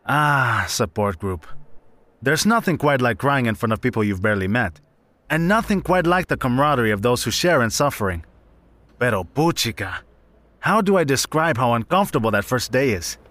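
A man's voice: medium pitch, very animated, normal speed, fairly bright tone, no room sound. A man playing a wry, chatty Latino support group member who narrates a comedic audio drama like a storyteller. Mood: wry, amused.

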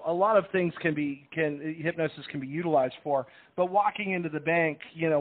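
A man explaining things in a casual radio interview, talkative, often repeating words and restarting his sentences. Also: fairly high pitch. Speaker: stage hypnotist, interview guest. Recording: tinny phone-like line.

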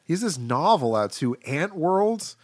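A man's voice: a little high, sing-song, measured pace, dry recording, clean studio sound. A man co-hosting a podcast, talking casually about films in a conversational, hedging way with lots of filler "like". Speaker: podcast co-host discussing films. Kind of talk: casual film discussion.

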